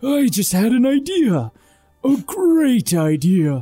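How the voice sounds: Faint music plays in the background as a put-on character voice, fairly high in pitch, moves slowly with very wide pitch swings.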